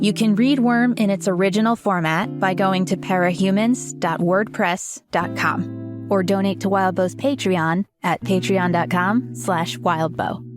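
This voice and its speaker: Over clearly audible plucked guitar music, a woman announces audiobook credits. She reads from a script in a mid-pitched voice.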